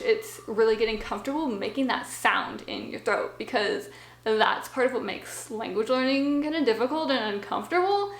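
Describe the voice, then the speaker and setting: A young woman who speaks English as her first language vlogs about language learning, explaining things casually to camera from a small home office. Her voice is slightly high and the small room sounds echoey. She's chatty, full of fillers and asides.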